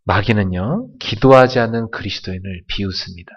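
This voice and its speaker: A male pastor delivers an emphatic sermon, throwing rhetorical questions at his congregation. His voice is low. The recording sounds dull and lo-fi. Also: brisk, slightly rough.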